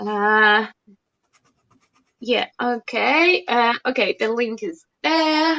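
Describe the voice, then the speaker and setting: A woman's high voice with lively intonation, a very slow pace, and long, frequent pauses. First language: Polish. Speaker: art live streamer. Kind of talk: casual chat. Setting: live stream. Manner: halting.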